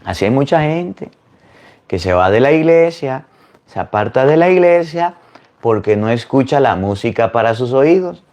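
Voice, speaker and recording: A man, a Catholic priest, preaching to viewers in an animated way, firing rhetorical questions. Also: mid-range voice, normal speed.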